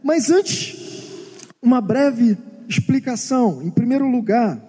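High-voiced preacher in a reverberant hall. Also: male voice, lively intonation, slow pace, dark tone, breathy edge. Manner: explanatory, repeats key phrases, rhetorical questions. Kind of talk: bible teaching sermon.

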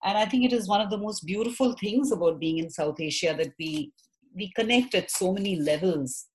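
A woman's voice: mid-range voice, a little fast, low-quality recording. A woman, a poet and theatre maker, answering interview questions thoughtfully and with frequent restarts. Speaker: poet and theatre practitioner guest.

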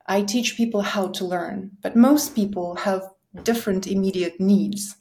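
A woman's voice: mid-range voice, a little slow, mellow. A woman from Kazakhstan, an English teacher speaking earnestly and emphatically as a podcast guest. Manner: earnest and emphatic about her views on learning. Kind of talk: podcast conversation.

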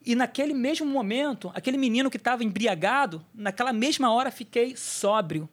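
A man's voice: extremely high pitch, animated, a little fast. A man sharing a personal testimony on a church talk show, telling the story with energy and acting out the voices of people in it.

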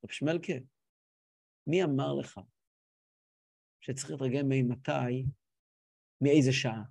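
A man's voice: mid-range voice, steady tone, creaky, a little mellow, no echo, studio quality, pitched below the performer's own voice. A man voicing a fervent pious Hasidic sage. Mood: musing. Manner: cries out in fervent ecstasy.

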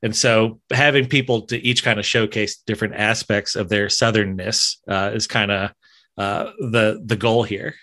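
A man's voice: fairly low pitch, fairly even intonation, normal speed, sharp tone, no echo, studio quality. A man, from Alabama, hosting a casual interview podcast in a chatty way full of fillers. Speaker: podcast host.

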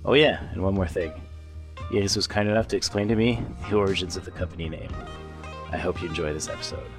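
A man's voice: deep voice, steady tone, fast talker, over music. A man hosting a podcast, reading a scripted introduction and then asking friendly questions with frequent restarts. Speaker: podcast host.

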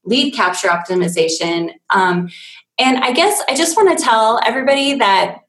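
Woman host, talks fast and eager about her field, sound bounces in the room. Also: fairly high pitch, lively intonation, fairly bright tone, reverberant, low-quality recording. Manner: enthusiastic, chatty, nerdy about her subject. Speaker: digital marketing agency owner. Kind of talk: casual live-stream chat.

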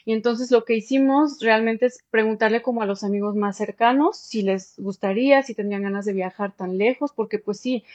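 A woman's voice: on the high side, a little fast, few pauses, a little mellow, no room sound. A woman from Germany, an interview guest on a remote call, chatting casually and enthusiastically about her own experience in slightly dull audio. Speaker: interview guest, former bride. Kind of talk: casual conversational storytelling.

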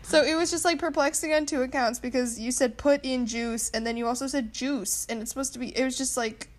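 A woman's voice: sits high, fairly even intonation, brisk. A woman co-hosting a casual podcast, rambling goofily and giggling often. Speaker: podcast co-host. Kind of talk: casual chat.

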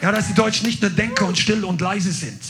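A man preaching a sermon, energetic and exclaiming to his congregation. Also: sits high, a little fast, faint music behind. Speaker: pastor.

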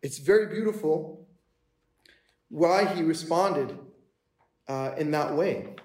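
A man's voice: fairly high pitch, takes it slowly, a little mellow. A man preaching a sermon in a conversational way, acting out the voices in the story he tells. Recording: echoey room.

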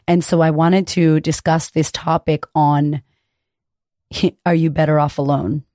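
A woman in her thirties with a raspy voice, hosting a podcast as a confidence coach and speaking frankly and encouragingly, with the odd curse, straight to the listener. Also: low-pitched, little pitch movement, measured pace, dark tone, no echo, clean studio sound. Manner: frank, profane and encouraging, addresses listener directly. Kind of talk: casual podcast monologue.

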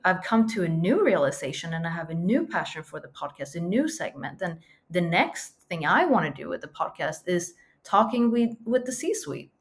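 A woman from Sweden with a light Swedish accent under a mostly American sound, speaking earnestly and reflectively as a podcast guest. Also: fairly low pitch. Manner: earnest, reflective, emphatic repetitions. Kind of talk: conversational interview.

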